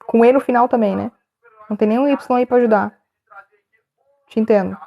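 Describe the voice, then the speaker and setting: A woman's voice: on the high side, fairly quick, gravelly, lo-fi sound. A woman chatting casually on a live stream, laughing often and reading viewers' names from the chat.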